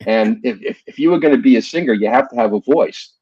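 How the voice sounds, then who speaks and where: A man hosting an interview, asking questions in halting, restarting phrases. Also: mid-range voice, a little mellow, slightly rough, no room sound, dull audio. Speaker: interviewer host.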